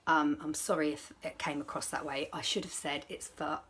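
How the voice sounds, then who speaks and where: A woman's voice: deep voice, fairly even intonation, moderate pace, a bit bright, husky. A woman vlogger giving casual advice to viewers in a chatty, rambling, self-correcting way.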